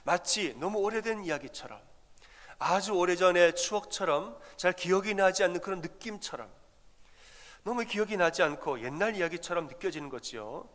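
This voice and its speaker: Male pastor, storytelling sermon, conversational, slightly high voice, long church reverb. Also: animated, moderate pace, fairly bright tone. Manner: conversational, asks the congregation questions. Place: church sanctuary.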